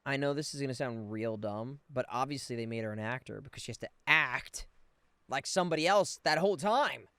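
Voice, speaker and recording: A man's voice: mid-range voice, expressive, a little fast, fairly bright tone, clean tone, no echo. A man giving casual, playful live commentary as a game streamer, with wry asides. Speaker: streamer and voice actor.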